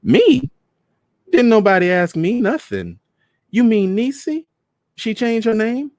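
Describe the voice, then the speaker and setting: A man's voice: sits high, expressive, takes it slowly, a little mellow, no echo, studio quality, pitched above the performer's own voice, heavily acted. A man voicing a feisty, proud middle-aged mother who talks in a sassy, plain-spoken, colloquial way. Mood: indignant, surprised.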